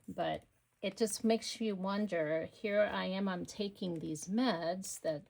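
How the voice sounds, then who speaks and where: A woman hosting a craft video, talking quietly and murmuring to herself as she works, a little sniffly. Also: mid-range voice, takes it slowly, creaky. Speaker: craft channel host. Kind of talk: casual craft-along chat.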